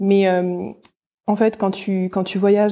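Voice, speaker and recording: At medium pitch, a woman's dark, mellow voice stays monotone and flat at a moderate pace, in a very clean recording with a silent background. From France, Alsace. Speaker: entrepreneur, textile business founder. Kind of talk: podcast interview. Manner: hesitant, many fillers.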